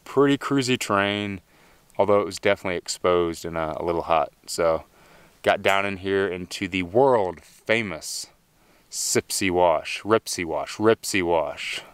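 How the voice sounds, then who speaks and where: A man in his thirties talks into a camera held at arm's length out in the open desert. His voice is deep and smooth, and his delivery is relaxed and upbeat. His sentences often trail off into low mutters. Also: measured pace, dry recording. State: slightly winded from climbing. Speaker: thru-hiker vlogger. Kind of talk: casual trail vlog to camera. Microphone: handheld camera at arm's length.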